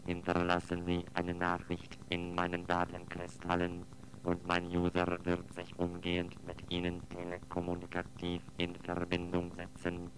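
A low, utterly flat house computer voiced by a man gives a comic answering machine message. It is robotic and emotionless. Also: moderate pace, natural voice, poor audio. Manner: monotone, robotic.

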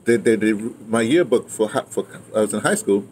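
A man of about seventy, reminiscing casually in a rambling, halting way, circling back to his point. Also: on the low side, darkish tone. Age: around 70. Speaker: interviewee, theater and radio drama veteran. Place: outdoors in a yard beside a house. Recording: clear outdoor ambient noise.

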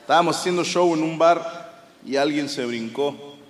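Profane Mexican comedian, live hall. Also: male voice, fairly high pitch, moderate pace. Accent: Mexican Spanish. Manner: profane, animated, bursts into shouted punchlines. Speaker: stand-up comedian. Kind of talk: stand-up storytelling. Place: live comedy stage in a large venue. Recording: live hall reverb with audience noise.

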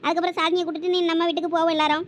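High-pitched, rapid-talking woman. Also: level tone, slight background noise. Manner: pleading, emotional family-quarrel delivery. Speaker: skit performer voicing several village women. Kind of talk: village family comedy skit acting.

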